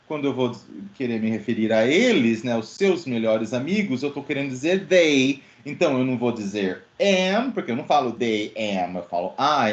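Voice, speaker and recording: A man teaching an online English class, his pitch swinging up and down as he quizzes students by name. He has a middle-pitched voice, and the sound is dull and lo-fi, as from a video call. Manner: lively, questioning, addresses students by name. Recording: dull lo-fi audio.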